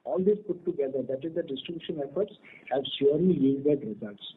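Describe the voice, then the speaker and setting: A man, a company executive, answering analysts' questions on an earnings call, halting with many fillers. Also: fairly high pitch, slight background noise. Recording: tinny phone line.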